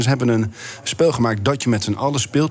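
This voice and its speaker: Ordinary pitch variation in very fast talk, set against noticeable background noise. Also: man. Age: 40s. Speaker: game designer. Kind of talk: casual chat.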